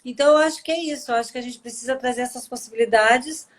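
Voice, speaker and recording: A woman's voice: a little high, very fast. A Brazilian woman in her forties hosting a live video chat, telling personal stories with emotion. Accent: Brazilian Portuguese. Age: 40s. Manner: emotional storytelling, warm and chatty. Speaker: host. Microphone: video call.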